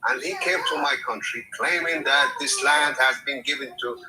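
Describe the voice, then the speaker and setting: A man from Palestine, talking earnestly as a guest, often halting and repeating words as he searches for them. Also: mid-range voice. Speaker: guest on a live call. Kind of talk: casual chat. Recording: crowd noise behind.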